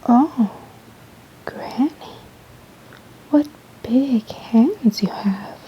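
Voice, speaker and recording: A woman softly whispering the lines of a trusting, curious young girl in a fairy tale. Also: on the high side, lively intonation, drawn-out words, dull audio, slight background noise. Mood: wondering. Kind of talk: ASMR storybook reading.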